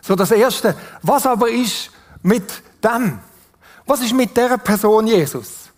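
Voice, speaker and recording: A man's voice: high-pitched, animated, unhurried. A man with a Swiss German accent preaching a sermon in an earnest, conversational way, often putting questions to his listeners.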